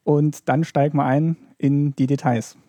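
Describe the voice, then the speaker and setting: A man's voice: a little high, fairly even intonation, measured pace, warm tone, dry recording. A man hosting a podcast interview, politely and somewhat hesitantly moderating his guests. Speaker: podcast host.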